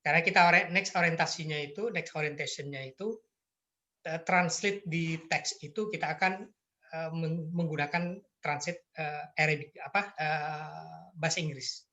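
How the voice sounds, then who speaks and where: A man's voice: on the high side, steady tone, moderate pace, bright, forceful tone, muffled recording. A middle-aged man from Madura, a lecturer speaking earnestly in casual conversation and chuckling at himself now and then. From Madura, Indonesia. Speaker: Arabic lecturer, app creator.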